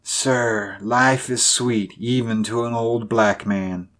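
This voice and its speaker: An ancient, fearful old man from a Southern tale, as a male narrator plays him. He mutters in a mellow voice and rambles slowly, as if his mind drifts toward mumbling. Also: mid-range voice, fairly even intonation. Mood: secretive, fearful.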